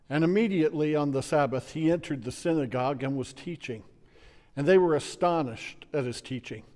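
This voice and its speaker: Pastor in a reverberant church. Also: male voice, fairly high pitch, darkish tone. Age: middle-aged. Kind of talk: expressive gospel reading. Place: church sanctuary.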